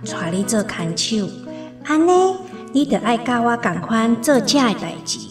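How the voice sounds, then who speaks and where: A woman's voice: on the high side, sing-song, a little slow, faint music behind. A woman with a Taiwanese accent playing a protective tribal mother in a radio drama. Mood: tender. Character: protective, practical tribal mother advising her daughter.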